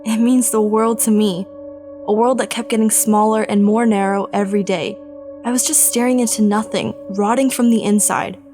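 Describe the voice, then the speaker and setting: A woman playing a gentle, melancholy lost young woman in an audio drama, wistful and earnest. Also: mid-range voice, fairly even intonation, normal speed, soft background music, lightly acted.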